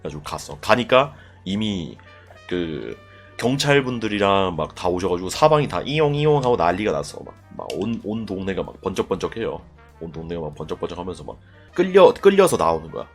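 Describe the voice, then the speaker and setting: A young man casually telling a live chat a story from his army days, profane and animated, acting out voices with loud bursts. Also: low-pitched, a little fast, soft background music. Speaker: streamer telling army stories.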